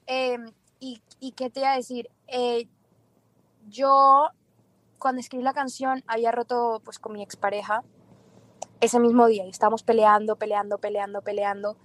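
A woman singer being interviewed, talking casually in a lively, quick way. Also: on the high side, dry recording. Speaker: singer guest.

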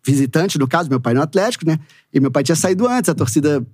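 A man's voice: a little high, fast talker, breathy edge, no echo, clean studio sound. A man with a Brazilian Portuguese accent telling football stories in a casual interview, acting out quoted dialogue. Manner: animated, acts out quoted dialogue, frequent "né" and "e tal". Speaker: football coach, podcast guest.

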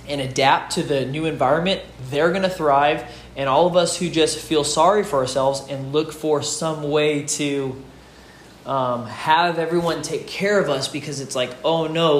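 A man giving earnest, informal motivational advice to peers, emphatic and repeating his key phrases. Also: fairly high pitch. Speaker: gym owner and fitness business host. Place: home gym outside, under a roof in a rainstorm. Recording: echoey room, rain noise on roof. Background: rain on the roof, storm.

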